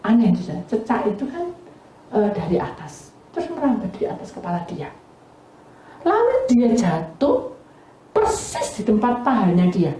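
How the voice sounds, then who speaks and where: A woman pastor, giving an animated sermon that tells a story and puts questions to the congregation. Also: medium pitch, moderate pace. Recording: echoey room with faint noise.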